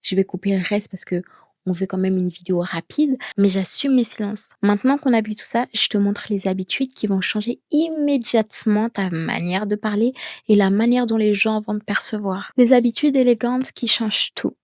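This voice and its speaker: A woman vlogger talking to camera, giving speaking tips slowly and deliberately, with pauses she lets stand. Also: mid-range voice, a little mellow, dry recording, studio quality. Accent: an accent of her own that people ask about. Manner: slow, deliberate, with chosen pauses. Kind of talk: casual talking-head advice. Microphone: camera mic, speaking to camera.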